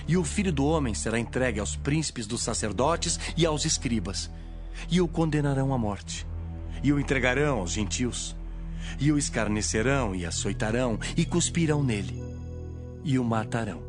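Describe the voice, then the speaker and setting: A man's voice: mid-range voice, animated, normal speed, natural voice. Casting: male actor as a solemn, firm holy teacher for a Bible audio drama, widely varied intonation, music behind. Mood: grave.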